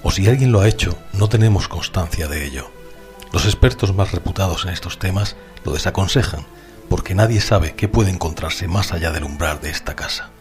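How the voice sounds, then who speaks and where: A man performs a paranormal radio host with a Spain accent. His deep voice delivers scripted lines in a formal, solemn, measured way. Music plays clearly underneath. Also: close to an everyday voice. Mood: solemn, assured. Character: male late-night paranormal radio show host.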